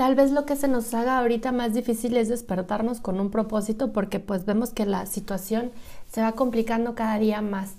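Her tone dark and mellow, a woman with a fairly high pitch speaks at a moderate pace with fairly even intonation. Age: 40s. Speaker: image and wellness coach, podcast host. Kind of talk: solo podcast monologue.

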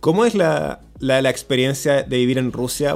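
A man with a Chilean accent at a fairly slow pace. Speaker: podcast host. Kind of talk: casual interview.

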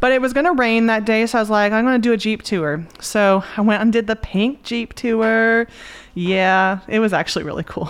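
An unremarkable speaking voice from a woman, fairly high-pitched, moderate in pace, with ordinary pitch variation. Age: 30s. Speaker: podcast guest, solo traveler. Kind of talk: casual chat. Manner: casual, filler-heavy speech.

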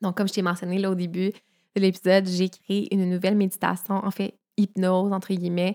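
A woman's voice, dry and close with no echo, on a very clean recording over a silent background. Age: 30s. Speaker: podcast host, yoga teacher. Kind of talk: solo podcast talk. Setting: home office.

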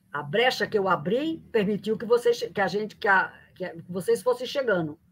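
At a moderate pace, a woman speaks in an animated tone, her medium-pitched voice somewhat breathy. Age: 70s. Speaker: professor and economic historian. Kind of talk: interview. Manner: halting.

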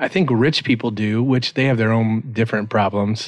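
A man speaks in a normal speaking voice at medium pitch and a fairly quick pace. The background is quiet. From rural Indiana. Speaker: musician and podcast editor. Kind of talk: casual chat.

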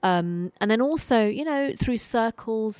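This woman has a London accent. She speaks at a moderate pace. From London, England. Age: 40s. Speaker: inspirational speaker and poet. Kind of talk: podcast interview. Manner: animated, passionate.

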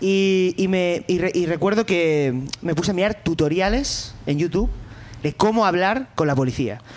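Speaking at a fairly slow pace, a man uses a high pitch and lively intonation while keeping his loudness very even. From Catalonia, Spain (Badalona). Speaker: comedian. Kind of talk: storytelling.

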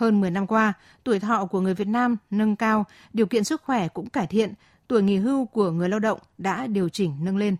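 Over a quiet background, a woman speaks at a fairly quick pace and medium pitch. She has an unremarkable speaking voice, and the sound is dry and close with no echo. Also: ordinary pitch variation. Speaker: radio news presenter. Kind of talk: news reading. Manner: formal.

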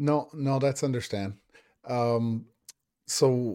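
A man with an Ontario accent speaks in a dark, mellow tone. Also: very clean recording, silent background. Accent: Canadian (Ontario). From Niagara Falls, Ontario, Canada. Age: 50s. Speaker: activist and author. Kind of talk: interview conversation.

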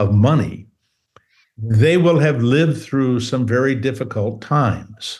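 Somewhat breathy, a man's voice unfolds at a fairly slow pace. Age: 80s+. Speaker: investment educator, foundation founder. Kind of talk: casual chat. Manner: halting, frequent fillers.

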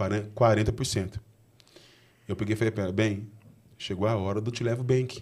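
A man speaks at a fairly slow pace with fairly low pitch and a somewhat breathy sound. His intonation is monotone and flat, broken by long, frequent pauses. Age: 40s. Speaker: founder of a ride-hailing app, former homeless man. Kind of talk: interview, life story.

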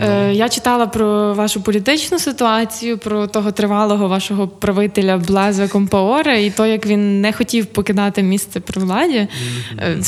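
With ordinary pitch variation and a medium pitch, a woman talks as noticeable background noise carries on. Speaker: podcast host. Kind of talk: interview.

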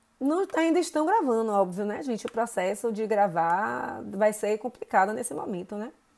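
Her voice fairly high and her tone dark and mellow, a woman speaks at a fairly slow pace. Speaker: series review vlogger. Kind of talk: casual monologue. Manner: animated.

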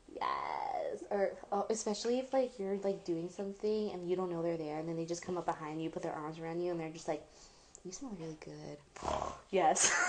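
A woman with a medium-pitched voice speaks at a moderate pace and with ordinary pitch variation over noticeable background noise. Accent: American. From United States. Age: 20s. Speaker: book podcast co-host. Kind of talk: casual chat. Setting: livestream.

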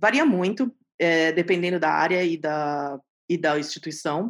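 This woman's voice comes through a very clean recording with a silent background. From Brazil. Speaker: product designer. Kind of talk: interview. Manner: halting.

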